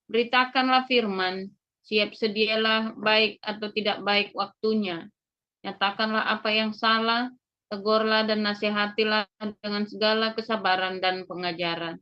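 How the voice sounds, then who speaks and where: A woman reads scripture aloud. Her delivery is measured and formal, and the sound is a little dull and lo-fi. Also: mid-range voice, steady tone. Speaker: scripture reader. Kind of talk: reading Bible verses aloud. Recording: slightly dull, lo-fi audio.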